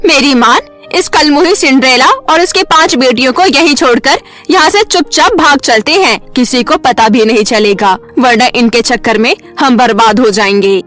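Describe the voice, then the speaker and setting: A woman's voice: high voice, moderate pace, few pauses, fairly bright tone, faint music behind. A woman voicing a cruel, scornful older mother-in-law in a melodramatic cartoon story, scolding harshly. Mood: scheming.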